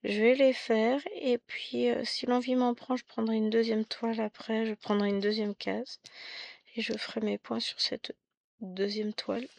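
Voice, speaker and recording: A woman's voice: a little high, little pitch movement, unhurried, vocal fry, dry recording. A middle-aged woman from France chatting casually about her stitching, rambling and poking fun at herself. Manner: chatty, rambling, self-mocking with many asides and restarts. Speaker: cross-stitch vlogger. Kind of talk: casual chat.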